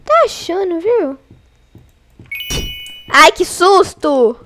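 A young Brazilian woman giving casual let's-play commentary, excitable and scared, chatting to her viewers. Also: extremely high pitch, very slow, a little hiss or hum. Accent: Brazilian Portuguese. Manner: excitable, frightened exclamations and chatty asides to viewers. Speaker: gaming channel host.

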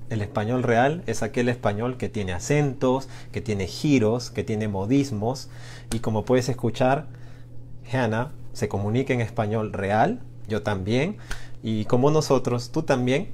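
A man's voice: mid-range voice, darkish tone, slight background noise. A man hosting a live Spanish lesson, speaking in an encouraging way with frequent hesitations. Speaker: Spanish teacher and host. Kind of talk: live-streamed language lesson chat.

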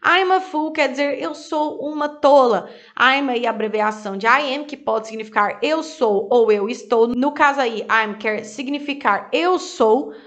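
A woman's voice: sits high, unhurried, few pauses, a bit bright. A woman gives an English lesson built on song lyrics. She takes the lines word by word and repeats each phrase with its translation. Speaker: English teacher.

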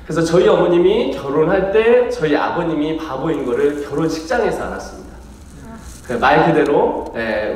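A male missionary preaching a sermon at a rally, from the Chungcheong region of South Korea, shifting from jokes to earnest storytelling. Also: a little high. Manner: joking, then earnest storytelling. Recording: echoey hall from far off.

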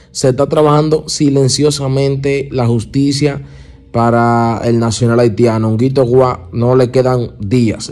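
A man with a Dominican accent hosting a YouTube channel, giving casual urban gossip news in colloquial street slang, halting and repeating himself. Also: medium pitch, warm tone.

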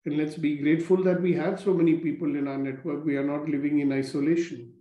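A man guides listeners through a gratitude meditation in a slow, calm, repetitive way. His voice is mellow and sits a little high. The recording is roomy and dull.

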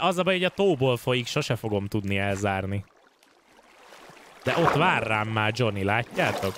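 A Hungarian man casually commenting on his own gameplay, excitable and prone to swearing and yelping at in-game scares. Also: medium pitch, noisy background. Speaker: gaming streamer. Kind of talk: casual let's-play commentary.

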